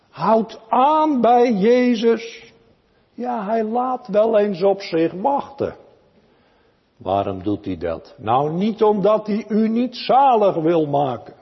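A man preaches to his congregation with a husky, high voice. He pleads slowly and draws his lines out, his pitch climbing and falling widely. The sound is a dull recording with a long church echo. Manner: pleading, swells and drops dramatically. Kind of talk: Reformed sermon.

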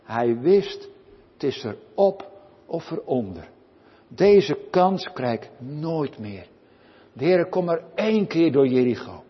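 A man preaching a sermon, earnestly questioning his listeners and rising from quiet to loud pleading. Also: on the high side, very animated, slow pace, breathy edge. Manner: addresses listeners with direct questions. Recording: lo-fi recording with long church reverb.

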